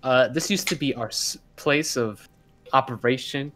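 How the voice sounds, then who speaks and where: A man's voice: mid-range voice, moderate pace, noisy background. A man playing a tabletop roleplay game and chatting casually as a player. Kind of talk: casual chat. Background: music.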